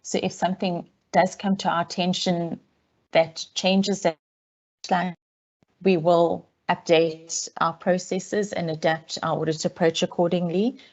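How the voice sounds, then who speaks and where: A woman auditor, heard over a video call line, gives a measured, businesslike briefing to a council committee, with frequent ums. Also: lowish voice, flat delivery. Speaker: external auditor presenting a report. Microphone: remote call audio. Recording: dull, lo-fi call audio.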